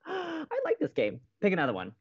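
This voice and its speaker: A man's voice: high voice, wildly swooping pitch, moderate pace, slightly rough, muffled recording, exaggerated voice. An actor playing a playful, mischievous young male college radio co-host, bantering in an audio drama. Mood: playful, teasing. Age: young adult. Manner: teasing, mischievous.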